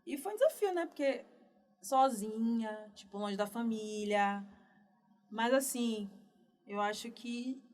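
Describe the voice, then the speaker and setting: Chatty high-voiced woman from Northeast Brazil. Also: takes it slowly. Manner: relaxed, chatty storytelling with many fillers. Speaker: guest developer. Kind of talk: casual podcast interview.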